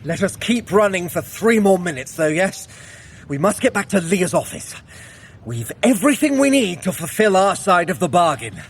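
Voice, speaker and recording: An actor playing a sly, witty trickster god with a wry, theatrical manner in an audio adventure. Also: male voice, sits high, very animated, normal speed, a little hiss or hum. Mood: urgent. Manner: wry, theatrical, hesitant when evasive. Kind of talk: dramatised audio adventure for runners.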